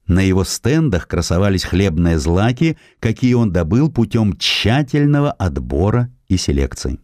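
A man with a low, mellow voice narrates a historical tale as a scripted audiobook. His delivery is expressive and dramatic, with lively swings of pitch in a studio recording. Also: normal speed, dry recording.

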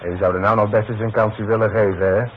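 A man's voice: fairly low pitch, level tone, fast talker, natural voice. Man playing a brash young worker, tinny sound. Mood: cocky, taunting. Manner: taunting, brash. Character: cocky, mocking young demolition worker. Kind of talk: 1960s Dutch radio play acting. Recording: tinny, noisy 1960s radio recording.

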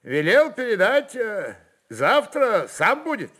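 Guy doing a cocky cossack envoy, pitched up, declaiming slowly and boldly, audio story. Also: wildly swooping pitch, a bit bright, exaggerated voice. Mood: formal, bold. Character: bold, insolent Cossack envoy, a grown man.

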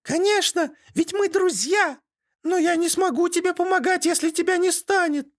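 A squeaky little mushroom spirit. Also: male voice, moderate pace. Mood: eager friendly. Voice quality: thin squeaky. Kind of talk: audiobook character voice.

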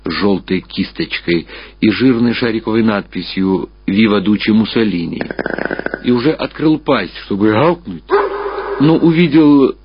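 A man reading literary fiction aloud as a narrator, with measured, expressive dramatic storytelling. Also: on the low side, noisy background. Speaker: audiobook narrator. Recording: muffled radio-style sound, music behind. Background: clear background music.

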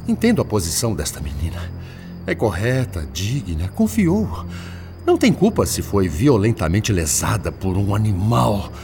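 A man's voice: on the low side, huge pitch swings, moderate pace, darkish tone, faint music behind. An actor playing an older grandfather's spirit, agitated and bitter, in a radio drama. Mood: indignant.

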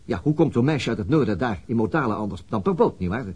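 Hesitant, weary detective, husky voice. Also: male voice, mid-range voice, lively intonation, a little mellow. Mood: eager. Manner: hesitant, halting. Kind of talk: Dutch radio drama acting.

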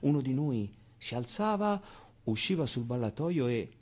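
An actor playing a streetwise, tender orphaned Muslim boy in a theatrical monologue, confiding in the audience in a halting, colloquial way. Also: mid-range voice, big pitch swings, darkish tone. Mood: wry, musing.

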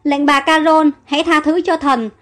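A woman's voice: sits high, level tone, moderate pace, a bit bright. A woman voicing an anxious lady-in-waiting. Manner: crying out, pleading.

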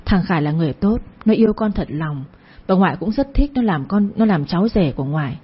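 A woman voicing the gentle ghost of an old grandmother who speaks softly and tenderly. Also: on the low side, lively intonation, brisk, husky, highs cut off. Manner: soft, tender and consoling.

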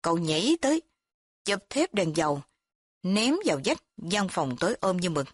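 A woman's voice: fairly low pitch, big pitch swings, normal speed, husky, dry recording. Woman reading a story aloud, dry sound. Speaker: narrator. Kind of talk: storytelling narration.

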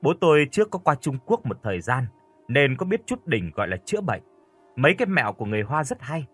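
Man reading a horror audiobook, husky tone, lively pitch, faint music behind. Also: fast talker, no room sound. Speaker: audio story narrator. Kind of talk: scripted first-person horror narration.

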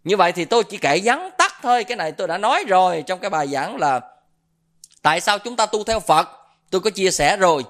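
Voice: medium pitch, very animated, fast talker, a bit bright. A Buddhist dharma teacher gives a sermon. The speaker often asks the listeners questions and repeats filler words while searching for a phrase. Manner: asks the audience rhetorical questions.

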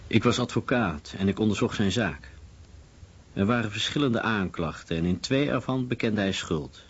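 Husky matter-of-fact male lawyer. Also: on the low side, moderate pace. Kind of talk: Dutch voice-over of testimony. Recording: dull, muffled radio recording.

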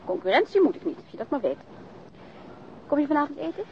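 A woman's voice: high-pitched, huge pitch swings, quick pace, full character voice. An actress playing a policeman's affectionate, teasing girlfriend in a radio drama, playful and familiar. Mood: playful, curious. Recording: muffled radio drama recording with noise.

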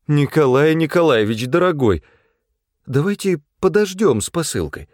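Man reading as pitying middle-aged woman clerk, raised soft coaxing voice, dry sound. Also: on the high side, big pitch swings, normal speed, no room sound, voice pushed up. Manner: coaxing, gently pleading.

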